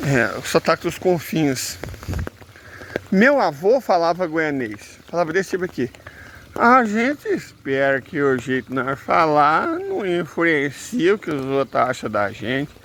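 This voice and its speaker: Noticeable background noise sits behind a man talking with a Goiás accent at a fairly slow pace. His voice is fairly high-pitched, with very wide pitch swings. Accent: old Goiás accent, a type of mineiro. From southern Goiás, Brazil (Catalão/Itumbiara area). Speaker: video essayist. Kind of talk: casual educational monologue.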